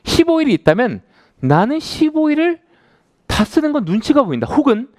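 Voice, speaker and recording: Animated lecturing man in his thirties. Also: very high voice, fairly quick, no room sound, studio quality. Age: 30s. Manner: conversational, asks the audience questions. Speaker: author giving a lecture. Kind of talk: lecture to a live audience.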